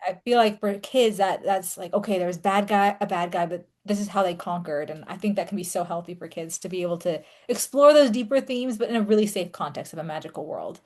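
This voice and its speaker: A woman hosts a conversational interview podcast. Her phrasing is informal and unscripted, often padded with "like". She speaks at an ordinary middle pitch. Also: fairly quick, few pauses, darkish tone. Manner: informal, peppered with "like". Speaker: podcast host. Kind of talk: casual interview chat.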